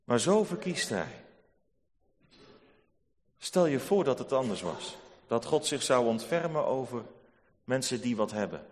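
A man preaching a sermon to his congregation, solemn and measured, rising to emphatic peaks. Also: medium pitch, sing-song. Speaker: pastor. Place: church. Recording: long church reverb.

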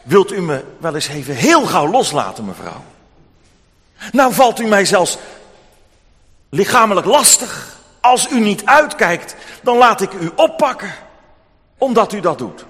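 A man's voice: high voice, expressive, moderate pace, fairly bright tone, voice pushed up. A man voicing an arrogant, impatient corrupt judge in a told story, brushing people off. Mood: brusque. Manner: brusque, dismissive. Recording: long hall reverb.

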